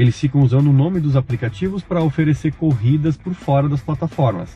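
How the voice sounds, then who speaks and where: Faint music plays in the background. The voice moves at a moderate pace with ordinary pitch variation, in a dry sound with no echo. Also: man. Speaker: rideshare driver channel host. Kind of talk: explainer vlog talk. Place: car. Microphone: phone near.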